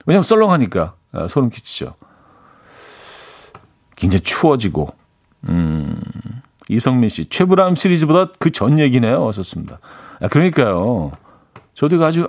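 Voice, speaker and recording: A man's voice: mid-range voice, darkish tone, no room sound. A man hosting a radio show in a casual, chatty way, laughing at his own jokes and reading out listener messages in a studio. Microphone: studio microphone.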